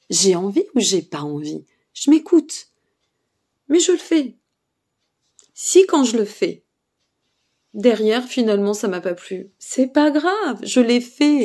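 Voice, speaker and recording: A woman's voice: medium pitch, a little mellow, breathy edge. A tired woman with a Burgundian French accent, giving spiritual guidance advice to camera, hesitant with many fillers and checking in with her listeners. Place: seated indoors.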